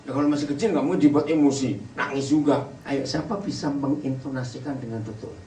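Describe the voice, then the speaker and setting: A man preaching a lively sermon to a family gathering, firing questions at the audience and urging them to answer. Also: medium pitch, fast, distant mic. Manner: animated, pushes the audience with repeated questions. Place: indoor hall with an audience. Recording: roomy hall sound, voice off-mic, faint background hiss.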